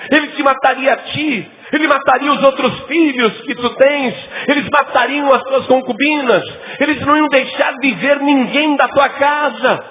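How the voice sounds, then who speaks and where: A man's voice: very high-pitched, steady tone, moderate pace, hardly any pauses, pitched above the performer's own voice. A man voicing a stern army general who rebukes a king with rising indignation. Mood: indignant. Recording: tinny echoey hall recording.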